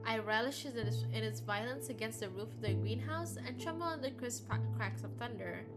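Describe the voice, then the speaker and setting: A woman's voice: fairly high pitch, fairly quick. A woman game streamer reading visual novel narration aloud and commenting casually. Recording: music behind the voice. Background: game music.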